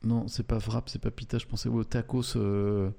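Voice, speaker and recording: A man's voice: lowish voice, little pitch movement, normal speed, vocal fry, dark tone. A man, streaming live and reading out and reacting to viewer chat in a chatty, amused way.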